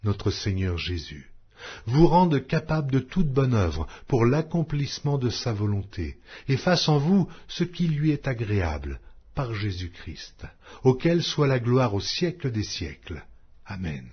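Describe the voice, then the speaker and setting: A man narrating scripture in a solemn, scripted and measured declamatory reading style. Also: mid-range voice, big pitch swings, slightly rough. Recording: dull lo-fi recording.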